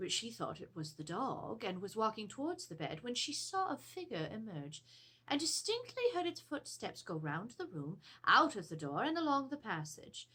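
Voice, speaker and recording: A middle-aged woman playing a troubled Edwardian lady of the house, earnestly and deliberately reading out her letter as drama. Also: on the high side, pushed and bright, husky, exaggerated voice. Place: home, before a draped cloth backdrop.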